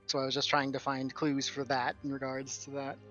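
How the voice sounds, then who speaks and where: A man's voice: mid-range voice, completely flat delivery, fairly quick, bright, forceful tone, highs cut off, soft background music. A man speaking as a tabletop game player in casual chat, with a dry, analytical manner.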